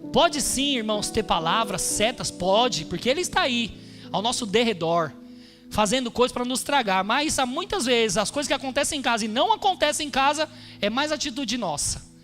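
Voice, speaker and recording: A pastor preaching a sermon in a church, emphatic, calling on the congregation with frequent amens. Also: male voice, very high voice, lively intonation, normal speed, a bit bright, faint music behind. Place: church hall during a service.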